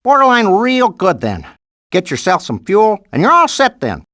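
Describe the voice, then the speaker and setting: A woman's voice: medium pitch, wildly swooping pitch, moderate pace, a bit bright, dry recording. A woman voicing a busy, folksy animal mom in a video game, homespun and motherly with an Upper Midwestern accent. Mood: chipper, helpful. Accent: Upper Midwestern American.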